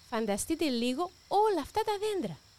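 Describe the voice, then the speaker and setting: A woman speaks in a gentle tone at a fairly slow pace, her pitch making very wide swings. Background noise is noticeable. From Cyprus, Nicosia. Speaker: museum educator. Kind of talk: storytelling for children. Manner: slow, gentle guiding tone.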